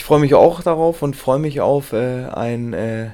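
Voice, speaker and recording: A man at a medium pitch and a very slow pace. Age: 30s. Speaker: triathlete. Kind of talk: interview.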